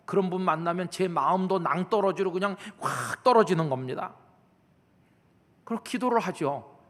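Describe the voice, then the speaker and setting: A man's voice: high voice, normal speed. A middle-aged man preaching a sermon as a pastor, talking to the congregation in a conversational way and acting out prayers and the voices of church members. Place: large church sanctuary. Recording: long hall reverb.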